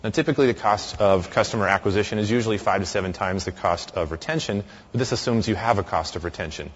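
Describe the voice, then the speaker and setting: A man with a very low, deep voice gives a conversational conference talk in a large hall. He speaks into a microphone and often stops and starts himself. The recording sounds muffled and lo-fi. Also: fast. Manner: conversational with frequent fillers and restarts.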